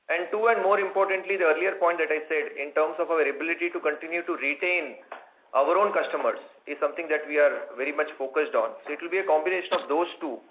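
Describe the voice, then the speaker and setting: A man with an Indian accent speaks as a company executive on an earnings call. His voice sits a bit high, and he talks in measured corporate phrases. The audio is thin and phone-like. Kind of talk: earnings call question-and-answer. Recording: narrow tinny phone-line audio.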